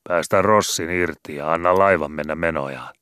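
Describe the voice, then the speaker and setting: A man voicing a gruff, bossy, boastful old male sea pilot who scolds loudly and swears in rough rural speech in a storybook reading. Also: a bass voice, no echo, studio quality. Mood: gruff scolding.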